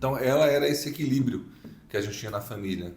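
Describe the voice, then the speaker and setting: A man's somewhat breathy voice at a medium pitch, with lively intonation and audible room echo. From Bahia, Brazil (Feira de Santana). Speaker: massage therapist. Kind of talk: podcast interview.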